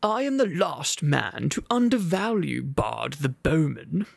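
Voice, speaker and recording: Aussie guy doing a snooty pompous old town boss, higher voice, gravelly, speechifying loud. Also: big pitch swings, dry recording, clean studio sound, exaggerated voice. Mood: indignant. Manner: loud, haughty, drawn-out speechifying. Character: posh obnoxious pompous male town master.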